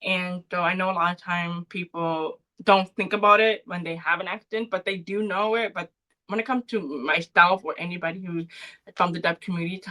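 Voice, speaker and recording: A young woman with a soft, bright voice talks as a podcast guest. She explains things earnestly and lays out her thoughts point by point, in an easy, conversational interview style. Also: on the low side, poor audio. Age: young adult. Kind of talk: casual interview talk.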